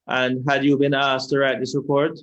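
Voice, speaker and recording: A man with a Jamaican accent, a lawyer questioning a witness at an inquiry in a measured, deliberate, repetitive way. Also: mid-range voice, completely flat delivery, fairly bright tone, muffled recording. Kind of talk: courtroom cross-examination. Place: inquiry hearing room.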